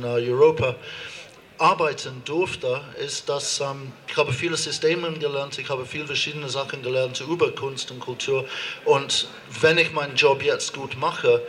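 English man giving a halting rally speech. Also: mid-range voice, a bit bright, a little hiss or hum. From England. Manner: halting non-native German, frequent hesitations. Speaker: opera house director speaking at a rally. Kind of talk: speech at a street demonstration. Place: outdoor demonstration on a square.

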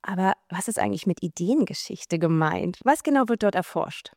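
A woman interviewer who asks measured, formal questions. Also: on the low side, animated, darkish tone, no echo, clean studio sound.

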